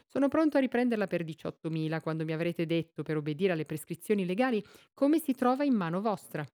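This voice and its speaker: A woman playing a brisk male jeweler. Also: lowish voice, animated, darkish tone, close to an everyday voice. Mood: assured.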